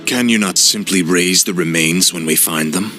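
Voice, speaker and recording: An actor playing a young fallen prince turned death knight, speaking in a flat, grim, unrepentant way. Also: male voice, deep voice, normal speed, faint music behind. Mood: cold. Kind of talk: video game cutscene acting. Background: orchestral score.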